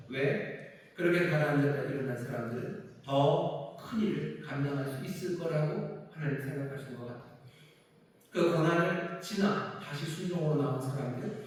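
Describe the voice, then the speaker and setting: A male pastor preaching a sermon earnestly, slowing on key words and rising for emphasis. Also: mid-range voice. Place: church sanctuary. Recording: echoey church hall from far off.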